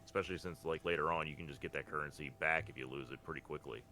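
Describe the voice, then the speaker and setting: A man with a very deep voice and a forceful, bright edge. He talks casually about games as a podcast co-host, blunt and quick to swear. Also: faint music behind. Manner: blunt, sweary, animated phrasing. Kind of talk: casual video game discussion.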